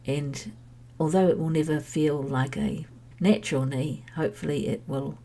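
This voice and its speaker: A woman's voice: deep voice, fairly even intonation, moderate pace, mellow. A middle-aged woman with a head cold, talking candidly and chattily in her own personal podcast monologue. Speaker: podcast host sharing her health journey.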